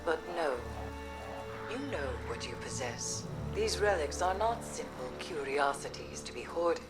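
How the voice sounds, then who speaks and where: A woman playing a severe, cryptic mystic in a video game, speaking in a solemn, ominous, measured way. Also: low-pitched, animated. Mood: cool. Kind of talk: video game dialogue acting. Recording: music behind the voice.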